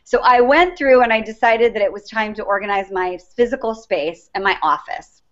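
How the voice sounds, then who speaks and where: A woman's voice: medium pitch, moderate pace, fairly bright tone. A middle-aged woman, a life coach, telling her story earnestly as an interview guest. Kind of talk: interview answers, personal story. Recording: dull lo-fi recording.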